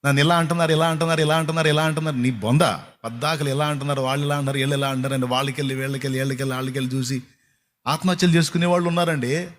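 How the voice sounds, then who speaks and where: Pastor, male, high-pitched, preaching with emphatic repetition and rhetorical questions. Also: steady tone, racing, fairly bright tone. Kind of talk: sermon to a congregation.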